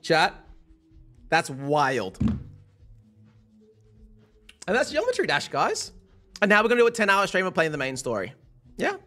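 A young man streaming a game live, excitable and worn-voiced, swinging from mumbles to yells. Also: sits high, measured pace, long pauses. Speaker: gaming streamer. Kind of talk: live-streamed gameplay chat.

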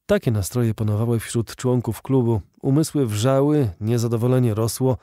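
Man, audiobook narrator, steady expressive reading, dry close recording. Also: medium pitch, moderate pace, dry recording. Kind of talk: scripted narration.

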